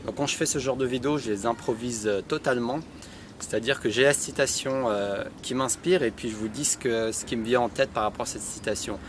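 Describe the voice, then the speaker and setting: A man talks to camera in a relaxed, improvised way, pausing often on hesitations. His voice sits at an ordinary middle pitch. Faint traffic and street sounds hum in the background. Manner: relaxed, spontaneous, frequent filler hesitations. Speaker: personal development vlogger. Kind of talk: improvised casual talk to camera.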